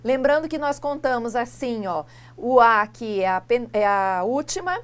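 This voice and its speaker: A woman teacher from Brazil explaining grammar rules in a lesson, asking rhetorical questions and pronouncing example words slowly. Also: fairly high pitch, lively intonation. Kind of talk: classroom lesson dialogue.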